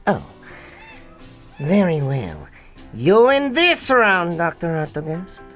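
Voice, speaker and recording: A woman's voice: on the low side, wildly swooping pitch, takes it slowly, exaggerated voice. A woman playing a grandiose, indignant young male mad scientist in a melodramatic comedy radio play. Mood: pompous. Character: pompous young male mad scientist, theatrical upstart villain. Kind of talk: comedic radio drama acting. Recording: music behind the voice.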